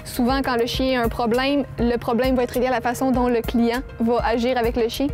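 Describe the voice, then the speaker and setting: A woman's voice: fairly high pitch, level tone, brisk, darkish tone, reverberant, long reverb tail, faint music behind. A woman dog trainer with a Québécois French accent, patiently explaining training methods with everyday examples in an interview.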